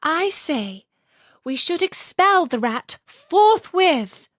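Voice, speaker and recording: A woman's voice: extremely high pitch, sing-song, drawn-out words, dry recording, studio quality, voice pushed up, full character voice. A woman voicing an imperious, pompous female black swan in a children's storybook.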